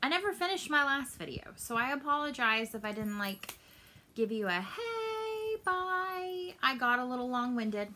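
A woman's voice: sits high, big pitch swings, moderate pace, bright, forceful tone, a little hiss or hum. A woman in her late thirties chatting casually to camera about her stitching hobby, rambling and gesturing as she talks, seated in a small room at home. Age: 30s. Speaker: cross-stitch vlogger. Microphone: camera in front, upper-body framing.

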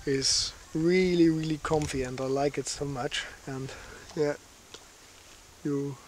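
A man in his forties speaks slowly and haltingly, searching for words in simple English. His voice sits a little high. He is recorded outdoors on a camera at arm's length, with faint rain and open-air noise behind him. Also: steady tone. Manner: halting, many fillers, simple non-native phrasing. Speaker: outdoor channel host. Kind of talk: casual gear review. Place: outdoors on a lakeshore in light rain. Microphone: handheld camera at arm's length.

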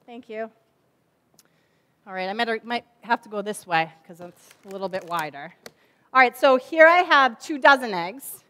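A woman's voice: fairly high pitch, lively intonation, moderate pace, bright, forceful tone. Chatty woman giving a church object lesson. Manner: chatty, self-deprecating, lots of fillers. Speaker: children's ministry director. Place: church sanctuary stage.

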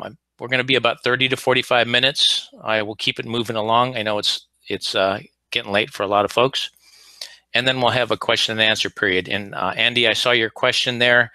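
A man's voice: mid-range voice, bright, forceful tone, no echo. A man teaching a live online class over slides, explaining at an easy pace with frequent fillers and restarts. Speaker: HVAC instructor.

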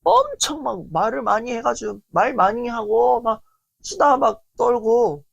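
A man giving a lecture on family relationships in a lively, rambling way, often acting out family arguments. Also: very high-pitched, a little slow, creaky, no room sound. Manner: animated, heavy use of fillers, acts out quoted family arguments. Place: lecture stage.

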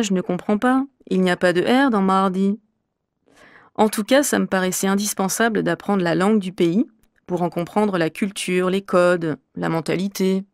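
Woman from Normandy, interview guest, measured and clear, dead-dry studio read. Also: mid-range voice, a little mellow, no room sound. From Normandy, France. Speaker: interviewee in a listening exercise. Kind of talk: scripted interview dialogue.

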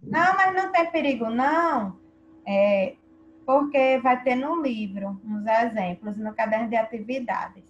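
A woman's voice: on the high side, expressive, a little slow, muffled recording, slight background noise. A Brazilian woman teaching an online class to young children, patiently quizzing her pupils. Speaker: primary school teacher.

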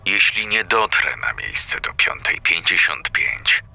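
Guy doing a creepy whispery phone caller, deep and gravelly, slow. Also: fairly even intonation, exaggerated voice. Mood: menacing. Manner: hushed, menacing whisper. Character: sinister calm older man whispering on the phone.

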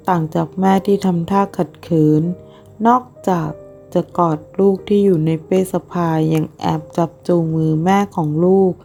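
Low gravelly woman narrating. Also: mellow. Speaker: audiobook narrator. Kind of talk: scripted narration of a romance audio novel.

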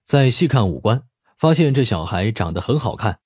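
Lively husky male audiobook narrator. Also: mid-range voice, moderate pace, dry recording, clean studio sound. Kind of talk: scripted story narration.

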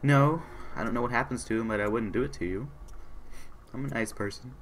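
A hoarse young man with a sore throat, casually commentating a game he is playing, reading on-screen messages aloud and answering them. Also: medium pitch, a little fast, a little hiss or hum. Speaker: gaming channel host. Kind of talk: casual let's-play commentary.

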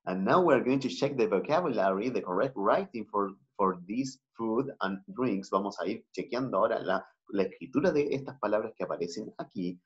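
A man with a Chilean accent teaching an English class online, switching between slow English and Spanish explanations. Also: on the low side. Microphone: video call. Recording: muffled video-call audio.

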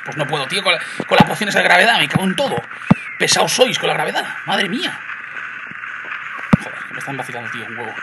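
A young man from Spain talks his viewers through a match in rapid, excitable bursts. His voice sits a little high for a man, and his Spain Spanish accent comes through clearly. A loud hiss runs under the whole home microphone recording. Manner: chatty, excitable, addresses viewers as "chicos". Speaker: gaming YouTuber. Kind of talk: casual gameplay commentary. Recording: loud background noise.

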